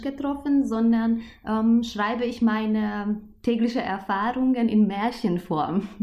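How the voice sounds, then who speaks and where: A woman's fairly high voice in a Hungarian accent, with ordinary pitch variation and audible room echo. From Hungary. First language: Hungarian (speaking German). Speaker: children's book author. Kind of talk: interview. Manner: halting.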